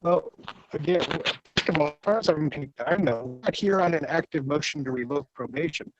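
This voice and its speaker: A man's voice: on the high side, normal speed, dull audio. A man arguing as a defense attorney in a formal hearing over a video call, his audio breaking up. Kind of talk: formal courtroom argument.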